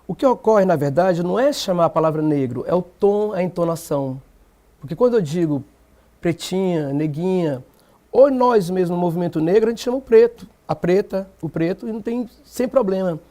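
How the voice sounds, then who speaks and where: High-voiced Brazilian man debating. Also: lively intonation, brisk, dark tone. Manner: emphatic, rhetorical questions. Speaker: black movement activist guest. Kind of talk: TV panel debate.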